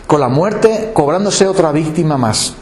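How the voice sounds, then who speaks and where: Man, pastor preaching, animated, higher voice, echoey church room. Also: measured pace, slight background noise. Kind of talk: sermon.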